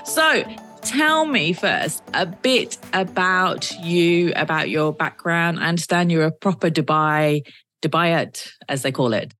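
A woman hosting a podcast interview in a relaxed, friendly way, chiming in with quick affirmations. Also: on the low side, faint music behind. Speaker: podcast host.

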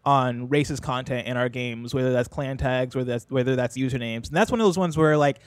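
A man telling a rambling anecdote in a casual group discussion, with many pauses and restarts. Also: medium pitch, clear, resonant tone, dry recording. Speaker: podcast panelist.

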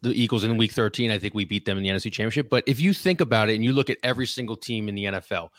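Fast-talking man on a dry mic. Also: lowish voice, no room sound. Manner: animated, opinionated fan talk. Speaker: sports podcast co-host. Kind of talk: casual sports chat.

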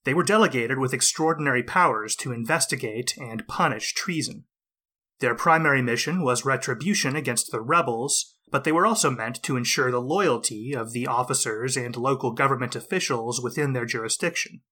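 A man narrates history in a steady, explanatory manner, his tone bright and forward at an ordinary pitch. He is still getting over a winter cold. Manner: measured, explanatory storytelling. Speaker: podcast host.

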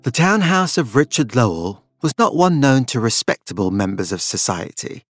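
Measured male narrator, very dry recording. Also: medium pitch, sing-song, fairly bright tone, no room sound. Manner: measured, formal storytelling. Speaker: audiobook narrator. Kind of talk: scripted literary narration.

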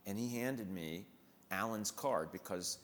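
A man who performs in musical theater, telling lively anecdotes in conversation and acting out the people he quotes. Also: lowish voice, a little slow, long reverb tail, slight background noise. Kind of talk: storytelling in a conversation.

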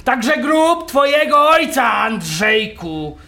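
Drunk bitter man yelling at his family, high bright voice, radio play. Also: sing-song, slow, gravelly, soft background music, heavily acted. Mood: accusing. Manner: shouting, ranting, accusing. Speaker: radio drama character.

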